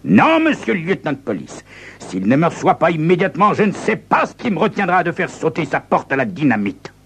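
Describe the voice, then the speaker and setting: A man voicing a prim, haughty gentleman who speaks in a formal, smugly calm way. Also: on the high side, brisk, creaky, husky, pitched above the performer's own voice, full character voice. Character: prim, haughty gentleman carrying a ticking box.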